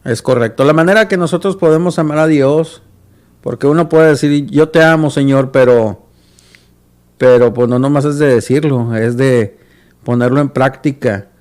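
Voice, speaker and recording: A man's voice: medium pitch, normal speed, darkish tone. Earnest male Christian radio host. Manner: earnest, repeats words when searching.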